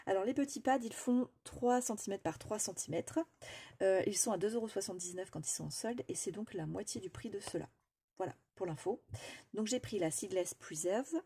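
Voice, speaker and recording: A woman's voice: medium pitch, mellow, husky. A woman presenting a craft-supply haul in a chatty, hesitant way, with frequent fillers and restarts. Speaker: craft vlogger.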